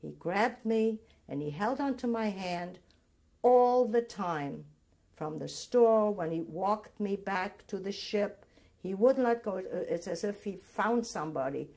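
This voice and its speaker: An older woman from Greece, a native Greek speaker, recalling her memories in an oral history interview, halting and restarting as she remembers. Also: medium pitch, expressive, a little mellow.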